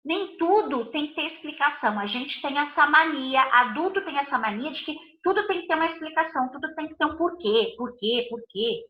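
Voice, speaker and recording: A woman's voice: high voice, lively intonation, a little fast, few pauses, roomy sound, dull audio. A woman with a Brazilian Portuguese accent, a body and behavior analyst giving a live talk to viewers, speaking emphatically in repeated lists of phrases.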